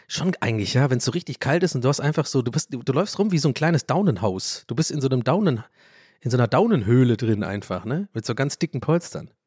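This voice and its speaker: A man hosting a podcast, talking in a rambling, animated way, often interrupting himself and laughing. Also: mid-range voice, fast talker, husky, dry recording, studio quality. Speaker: podcast host. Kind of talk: casual podcast monologue.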